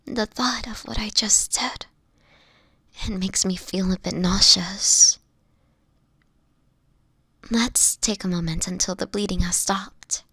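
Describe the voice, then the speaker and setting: Woman playing a breathy, slow-spoken sickly vampire woman. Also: medium pitch, steady tone, bright, forceful tone, dry recording, exaggerated voice. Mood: grateful, tender. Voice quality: breathy, often whispering. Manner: hesitant, tender, pleading. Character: sickly homeless vampire woman, gentle, anguished and ashamed. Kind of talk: breathy audio roleplay addressed to the listener.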